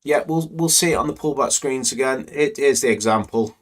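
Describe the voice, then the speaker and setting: A man hosts a live stream, commenting on stock screens in a rambling, conversational way full of fillers. His voice is croaky and a little hoarse today. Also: mid-range voice, a little fast. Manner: conversational, rambling, many "you know" fillers. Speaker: trading educator hosting live stream.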